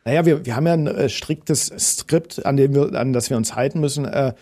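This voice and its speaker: A man's voice: medium pitch, brisk, mellow. A man in his thirties, an actor with a Berlin accent, chatting in an interview with many fillers and restarts. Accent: Berlin dialect. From Potsdam, Germany. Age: 30s. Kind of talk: interview conversation.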